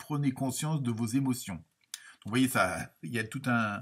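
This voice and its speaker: The voice is somewhat breathy, with ordinary pitch variation and a moderate pace, on a very clean recording with a silent background. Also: man. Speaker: tarot card reader. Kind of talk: tarot reading monologue. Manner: halting, many fillers.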